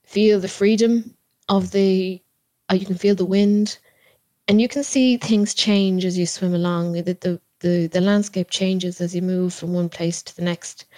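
A podcast guest from Cork, Ireland, talks enthusiastically in a conversational interview recorded at home with no room sound. Her medium-pitched, darkish voice is steady and unhurried, and she often repeats words while searching for the right phrasing.

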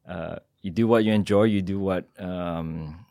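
A middle-aged man answers interview questions in a very low voice. He talks in a measured, hesitant way, full of small fillers. The studio sound is dry. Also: creaky, mellow, no echo. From Singapore. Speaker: guest, tech executive. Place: podcast studio.

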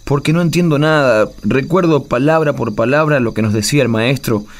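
A self-doubting young fugitive disciple, played by a man in a radio drama. He speaks Argentine Spanish with a pleading, self-deprecating manner. His voice sits at an ordinary middle pitch for a man. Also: brisk, close to an everyday voice. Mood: dejected, self-doubting. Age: young adult. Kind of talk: radio play dialogue acting.

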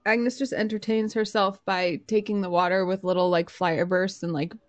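A woman's voice: mid-range voice, flat delivery, normal speed, dull audio. A woman describing her character's actions in a tabletop game, casual and rambling with many fillers. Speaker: player.

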